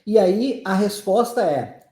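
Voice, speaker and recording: Lively Brazilian man teaching English. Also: sits high, slow pace, roomy sound. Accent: Brazilian Portuguese. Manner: emphatic, repeats key phrases, checks in with listeners often. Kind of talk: online language lesson.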